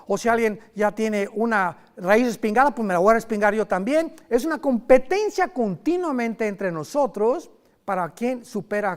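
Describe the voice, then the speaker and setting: A man preaching a sermon in a lively, conversational way, with sudden loud emphasis and quick asides. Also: sits high, smooth.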